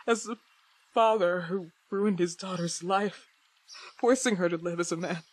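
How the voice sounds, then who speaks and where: An actress playing a troubled, defiant woman in a horror game, speaking earnestly and deliberately in dramatic, broken phrases. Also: medium pitch, husky. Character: troubled, defiant woman piecing together buried truths. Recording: faint music behind the voice. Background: faint music.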